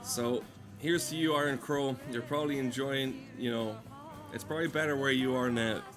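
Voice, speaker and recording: A man giving casual gameplay commentary in a deadpan, mock-solemn manner. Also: mid-range voice, moderate pace. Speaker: gameplay streamer. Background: game music.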